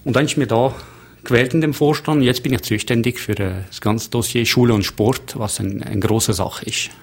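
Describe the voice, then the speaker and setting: A middle-aged man whose first language is French, speaking as a hotelier guest in a radio studio and telling stories with lively emphasis. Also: mid-range voice, normal speed, creaky. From Geneva, Switzerland. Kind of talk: radio interview.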